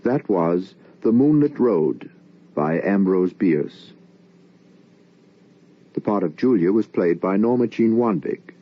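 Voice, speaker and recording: A man's voice: sits low, animated, slow pace, long pauses, husky. A man reading formal closing credits as the host and announcer of an old radio drama. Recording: muffled old radio recording.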